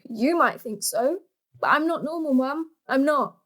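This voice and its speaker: A young woman with a high voice in a stage drama. She is a cheeky, yearning daughter who speaks bluntly and pleads with real earnestness. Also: expressive, a little slow, fairly bright tone. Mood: upset, pleading. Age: young adult.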